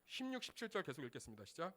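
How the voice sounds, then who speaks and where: A man's voice: fairly high pitch, huge pitch swings, racing, fairly bright tone. A middle-aged man, a pastor, delivering a sermon in a chatty, conversational way, firing rhetorical questions and asking the congregation to repeat after him. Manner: leads congregation in call-and-repeat.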